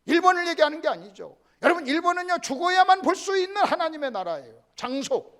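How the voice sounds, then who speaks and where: A male pastor preaching a sermon lecture, emphatic, keeps calling out to the congregation, and sometimes drops to a hushed whisper. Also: extremely high pitch, very animated, fast talker.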